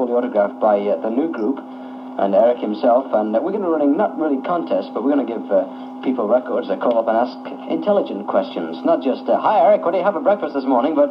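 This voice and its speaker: Very fast speech from a man over noticeable background noise. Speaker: radio presenter. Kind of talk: radio DJ talk. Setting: radio studio, off-air tape recording.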